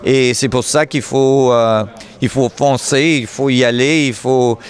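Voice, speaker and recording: A man with a Canadian French accent explaining ideas as an interview guest, earnest, pausing as he searches for words. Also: medium pitch, fairly even intonation.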